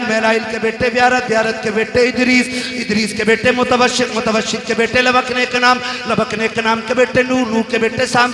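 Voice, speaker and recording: A man, a Muslim preacher, reciting a long lineage loudly and insistently as if all in one breath. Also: extremely high pitch. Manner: chanting a long list as if all in one breath, loud and driving. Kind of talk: rapid religious recitation of a lineage to a congregation. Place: large religious gathering, on microphone. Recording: echoey PA hall, crowd behind.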